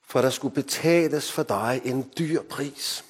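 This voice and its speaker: Danish preacher in a reverberant hall. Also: male voice, mid-range voice, husky. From Denmark. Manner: emphatic, dropping to hushed solemn tones. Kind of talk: sermon. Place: mission hall.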